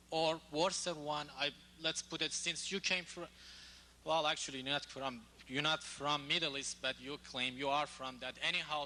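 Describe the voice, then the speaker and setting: A man from Iran asking a heated question from the audience, halting and insistent, with non-native phrasing. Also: on the high side, bright, forceful tone. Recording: echoey hall, from off-mic.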